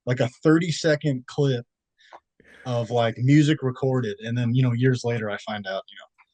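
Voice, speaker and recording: This is a young man from Texas in a relaxed podcast chat, at an ordinary middle pitch. He rambles with many fillers, restarts and little laughs. The sound is dry and close, with no room to it. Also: moderate pace, no echo. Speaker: podcast guest. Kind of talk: casual interview chat.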